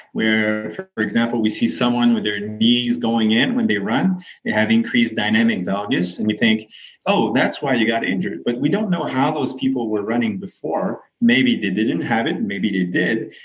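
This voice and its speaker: A man's voice: medium pitch, fairly bright tone. A man gives conversational expert explanations as a physiotherapist guest, using examples. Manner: explains with examples and rhetorical questions. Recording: slightly dull, lo-fi audio.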